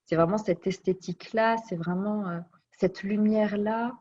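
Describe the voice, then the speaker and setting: A woman's voice: mid-range voice, fairly even intonation, normal speed, mellow, slightly rough. A woman telling her life story as an interview guest. She speaks reflectively and searches for her words. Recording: dull lo-fi recording.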